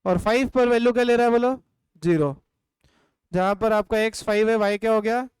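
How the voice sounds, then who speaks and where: A man teaching a live economics class in a notably high, smooth voice. He keeps firing questions at his students and makes them answer back in chorus. The sound is dry and close. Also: fairly quick, a little mellow, no room sound. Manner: drills points with call-and-response. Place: classroom or home studio.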